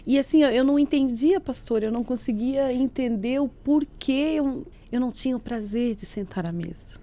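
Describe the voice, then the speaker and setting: A woman with a fairly high voice tells a personal faith testimony on a podcast. She speaks with feeling and keeps the story lively by acting out what people said. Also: moderate pace. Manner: lively storyteller who acts out quoted speech. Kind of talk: emotional personal testimony in casual chat. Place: podcast studio.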